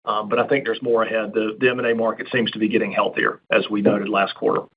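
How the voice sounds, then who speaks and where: A man's voice: fairly low pitch, flat delivery, fast, slight background noise. A man speaking as a company executive, answering questions off the cuff in a conversational way with repeated words. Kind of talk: earnings call Q&A, unscripted. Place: conference call. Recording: narrow tinny phone-line sound.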